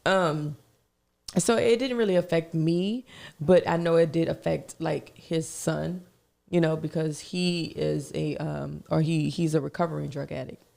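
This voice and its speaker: A woman co-hosting a podcast in casual chat, her voice raspy from being under the weather, talking chattily and laughing often. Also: sits low, fairly even intonation, a little slow, darkish tone. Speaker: podcast co-host.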